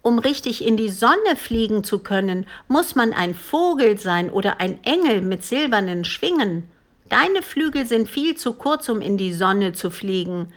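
A brave, chatty little girl in a storybook, high and eager as she scolds, as a woman reads her. She speaks carefully and unhurried. Her voice lifts with cheeky confidence. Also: very animated.

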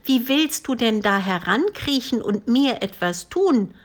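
A woman voicing a brave, chatty little girl who scolds a dragon in a high, eager voice, slow and careful in a storybook reading. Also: expressive.

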